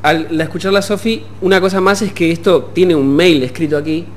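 A young man with an Argentine accent, explaining his work haltingly as a musician guest in a studio interview. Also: fairly high pitch, fairly even intonation, a crowd in the background. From Puerto Madryn, Argentina. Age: young adult. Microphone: desk gooseneck microphone.

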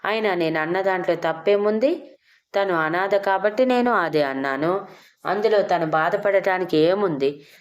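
A woman's voice: on the low side, normal speed, voice pushed up, close to an everyday voice. A woman voicing a spoiled young woman who talks back to her mother defiantly. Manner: defiant and careless.

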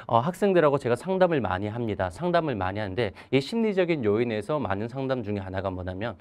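A man's voice: mid-range voice, sing-song, fast. Earnest man lecturing students. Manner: earnest, emphatic, gestures and writes on a chalkboard. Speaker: mind coach teacher. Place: studio with a green chalkboard. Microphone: lapel mic.

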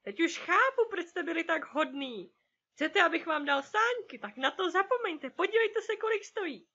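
Gruff stingy duck uncle from a storybook, done by a woman; lively, dull lo-fi sound. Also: high-pitched, full character voice. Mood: indignant. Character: grumpy, stingy male cartoon duck uncle.

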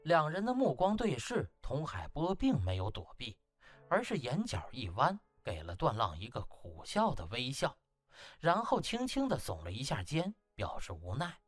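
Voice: mid-range voice, huge pitch swings, moderate pace, no room sound. A narrator reading a comic web novel in a theatrical, colloquial, exclamatory way. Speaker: audiobook narrator.

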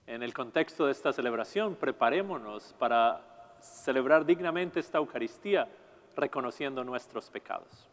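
A man in his forties, a priest leading Mass in a large stone chapel, praying in a measured, solemn way. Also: mid-range voice, animated. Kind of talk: liturgical prayer at Mass. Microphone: lapel mic. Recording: long reverb of a stone chapel.

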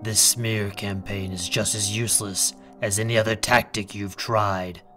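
A man's voice: fairly low pitch, little pitch movement, unhurried, music in the background, lightly acted. A man playing a proud, scornful young businessman in an audio drama, cold, curt and sarcastic. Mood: angry dismissal.

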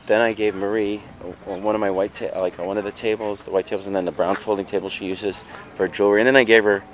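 Low-voiced man touring his flea market tables. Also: a little hiss or hum. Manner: chatty, rambling. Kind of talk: casual vlog walkthrough. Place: outdoor street fair. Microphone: handheld camera.

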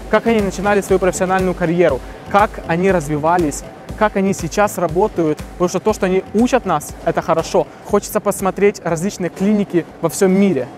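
A young man, a dentist hosting his own vlog, talking upbeat and enthusiastic to camera on a city street. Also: sits high.

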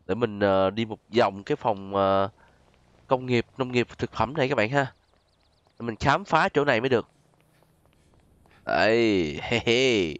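A man's voice: lowish voice, smooth, no echo, muffled recording. A man with a southern Vietnamese accent giving chatty, exclamatory gameplay commentary and often addressing his viewers. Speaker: gaming YouTuber host. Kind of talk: casual gameplay commentary with role-play.

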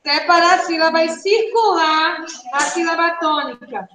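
A woman's voice: extremely high pitch, echoey room, noisy background. A Brazilian woman teaching a primary school class, calling on pupils by name and asking patient questions. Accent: Brazilian Portuguese. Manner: calls out pupils' names, slow patient questioning. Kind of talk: classroom lesson.

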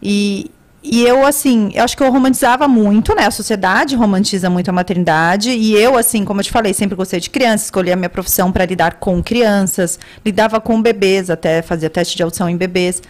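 A middle-aged woman with a Brazilian accent, a speech therapist guest, explaining calmly in a podcast studio. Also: medium pitch. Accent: Brazilian Portuguese. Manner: calm, explanatory, measured. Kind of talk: interview conversation. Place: small podcast studio indoors. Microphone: studio boom mic with headphones.

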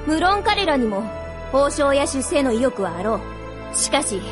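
An actress playing a proud, indignant young princess in a radio drama, with imperious, archaic, formal speech. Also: female voice, sits high, sing-song, a little slow. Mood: stern, proud. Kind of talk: Japanese radio drama acting. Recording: music behind the voice.

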